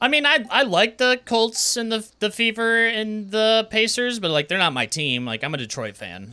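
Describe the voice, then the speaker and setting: In a raised, projected voice with a bright, sharp tone, a man speaks at a high pitch and moderate pace with lively intonation and hardly any pauses. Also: very clean recording, silent background. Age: 30s. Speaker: gaming streamer. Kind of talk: casual chat.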